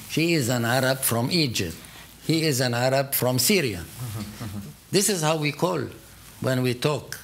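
A gravelly-voiced older man with an Arabic accent talks as an art collector on stage before an audience. His pitch sits in the ordinary male range, and his delivery is emphatic and lively, full of restarts. A faint hiss sits beneath his voice. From Palestine. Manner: animated and emphatic, with many restarts and Arabic asides. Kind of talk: conversational storytelling on stage. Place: lecture hall with seated audience.

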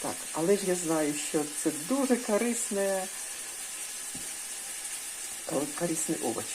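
Woman doing a laid back cooking vlog, deep-ish voice, talks slow, frying noise all over. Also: animated. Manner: unhurried, thinks aloud step by step. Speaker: home cook, channel host. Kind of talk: casual cooking vlog narration. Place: home kitchen. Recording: kitchen cooking noise behind voice. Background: sizzling frying pan.

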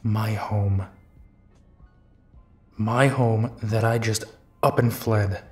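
Slow-talking, weary werewolf detective played by a man. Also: fairly low pitch, fairly even intonation, darkish tone, faint music behind. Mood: weary, brooding. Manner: musing, sighing, unhurried. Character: big, weary, protective male werewolf detective. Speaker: voice actor in audio roleplay. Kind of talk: audio drama monologue, intimate and conversational.

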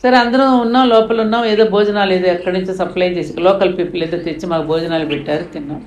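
A woman's voice: lowish voice, steady tone, fast, a little mellow, roomy sound, slight background noise, poor audio. An older woman from India, telling a story in an interview with a passionate, emphatic manner. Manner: impassioned, rising to emphatic peaks. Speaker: guest speaker.

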